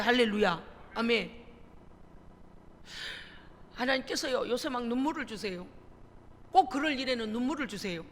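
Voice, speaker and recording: A woman pastor preaching a sermon, animated and emphatic, acting out conversations as she tells stories. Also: high-pitched, in a large hall, a little hiss or hum. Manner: animated storytelling, acting out phone calls. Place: church sanctuary.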